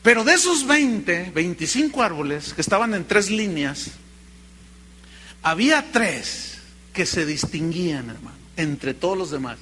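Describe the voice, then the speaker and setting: A man with a Mexican accent preaching a sermon, telling stories in an animated way and calling his listeners brother. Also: high voice, measured pace, slight background noise. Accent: Mexican Spanish. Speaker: pastor.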